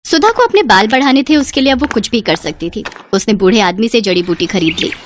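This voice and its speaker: A woman telling a cartoon story with scripted, expressive narration. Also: a little high, brisk, noisy background.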